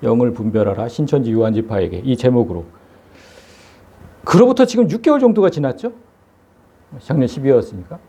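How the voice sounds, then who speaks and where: A man's voice: high-pitched, warm tone. A man preaching a sermon as pastor, emphatic and full of rhetorical questions.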